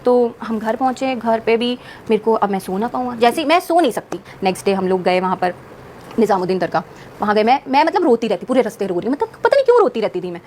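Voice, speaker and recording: A woman's voice: on the high side, animated, fast, darkish tone, a little hiss or hum. A woman, a singer, telling a personal story as a podcast guest in an earnest, rambling way, with English words mixed into her speech.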